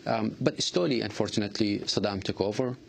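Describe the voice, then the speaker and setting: A man answering interview questions earnestly, halting often with fillers and restarts. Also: fairly low pitch, gravelly, breathy edge. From Iraq. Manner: halting, many fillers and restarts, non-native grammar. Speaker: artist guest.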